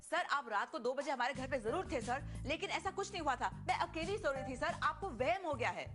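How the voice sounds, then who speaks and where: An actress playing a flustered wife who insists nothing happened, in a TV sitcom. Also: female voice, high-pitched, lively intonation, brisk. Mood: pleading. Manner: flustered, pleading, explains herself. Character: flustered middle-aged wife caught in a mix-up. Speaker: sitcom character. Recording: TV sitcom audio with background music.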